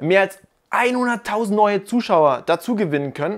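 A woman speaks at medium pitch with very wide pitch swings. The recording is very clean, and the background is silent. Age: 20s. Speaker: gaming news YouTuber. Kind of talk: video news presentation. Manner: calm.

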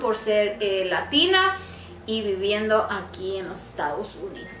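Audible room echo and light background noise surround a woman who speaks at a fairly slow pace with a fairly high pitch. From Ecuador, near Quito. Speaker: lifestyle YouTuber. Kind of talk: personal storytelling vlog. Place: home room. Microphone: phone near.

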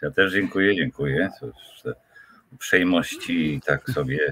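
Talking fairly slowly, a man lets his pitch swing over a very wide range. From Poland. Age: 60s. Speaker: film voice-over narrator. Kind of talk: interview answer. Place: home room.

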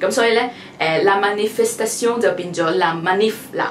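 Light background noise and audible room echo fill the clip. A woman talks at a moderate pace. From Hong Kong. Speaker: language teacher YouTuber; language teacher. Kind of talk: tutorial. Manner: casual with frequent filler hesitations. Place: home room.

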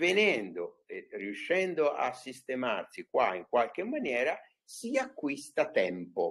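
A man talks at a very slow pace over a quiet background. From Italy. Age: 60s. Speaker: podcast host and author; podcast host. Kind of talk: casual online talk with Q&A. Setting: online call. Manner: halting, many repetitions. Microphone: video call.

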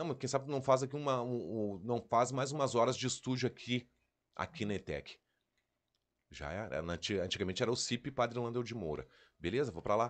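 Over a quiet background, a man speaks fairly quickly in an animated tone, his intonation lively and his voice touched with vocal fry. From Rio Grande do Sul, Brazil. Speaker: radio announcer. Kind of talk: casual chat. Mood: animated, retelling frustration. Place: studio. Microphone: studio mic.

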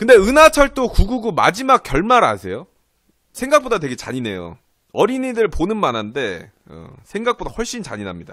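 Against a quiet background, a man talks at a moderate pace with big swings in loudness, the sound dry and without echo. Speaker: live streamer. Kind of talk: casual stream chat. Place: home room. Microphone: studio mic.

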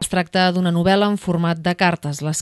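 A plain, everyday voice moves at a moderate pace with ordinary pitch variation, in a dry, close sound with no echo. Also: woman. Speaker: local TV reporter. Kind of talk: news narration.

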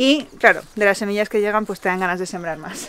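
Her intonation is fairly even, and this woman's voice sounds dry with no echo. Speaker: farm vlogger. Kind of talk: casual vlog chat. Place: garden. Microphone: phone near.

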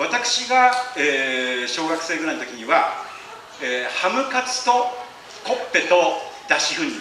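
A man at a fairly slow pace, with long, frequent pauses, audible room echo and light background noise. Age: 60s. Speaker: bakery owner and activist; speaker. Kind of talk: panel discussion. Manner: animated. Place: hall.

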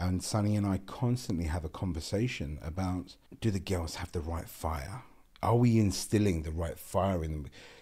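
A man's very deep, low voice, somewhat breathy and dark, mellow in tone, with a London accent, ordinary pitch variation and a moderate pace. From South London, England. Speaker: entrepreneur, magazine co-founder. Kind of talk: casual interview. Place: home room. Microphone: studio mic.

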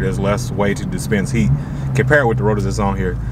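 Loud background noise sits behind a man's voice. The sound itself is dry, with no echo. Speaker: car owner vlogger. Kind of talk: casual vlog chat. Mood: playful, animated. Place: car. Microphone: phone near.

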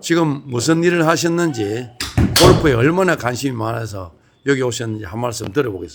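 A man's normal speaking voice at a fairly quick pace. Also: medium pitch for a man, lively intonation. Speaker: golf instructor, channel host. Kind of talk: interviewer questions.

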